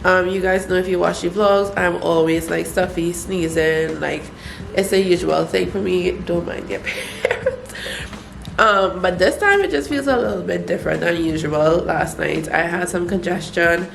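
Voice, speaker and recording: Young trinidadian woman, stuffy congested nose, gravelly fry, echoey room, faint background hum. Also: lowish voice, normal speed. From Trinidad and Tobago. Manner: relaxed, chatty, frequent fillers. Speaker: vlogger. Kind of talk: casual vlog chat. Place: at home.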